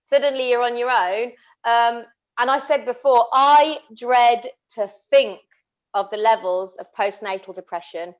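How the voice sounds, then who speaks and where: An English woman co-hosting a podcast talks earnestly and passionately in casual chat, frequently restarting her sentences. Her voice is on the high side and a little slow, heard through dull lo-fi audio.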